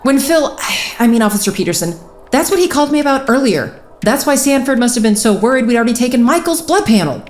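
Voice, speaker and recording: An actress playing a sharp, earnest woman investigator in a naturalistic audio drama, anxious and indignant. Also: a little high, expressive, quick pace, close to an everyday voice. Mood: urgent alarm.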